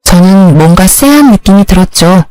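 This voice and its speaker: A woman telling a first-person family drama story in steady scripted narration. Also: mid-range voice, normal speed, soft background music, low-quality recording.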